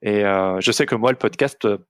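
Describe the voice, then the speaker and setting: A young man hosts a relaxed podcast conversation, searching for words with frequent fillers and restarts. His voice sits fairly low. The sound is dry and close, with no room echo. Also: normal speed. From Belgium. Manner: hesitant, many restarts and fillers. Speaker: podcast host. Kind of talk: casual interview chat.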